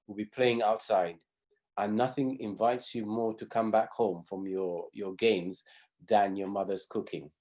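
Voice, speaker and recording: A man's voice: on the low side, steady tone, unhurried, a little mellow. A middle-aged man from Zambia teaching a youth class, explaining step by step and often restarting his phrases. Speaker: pathfinder honour instructor. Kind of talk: teaching a class over video.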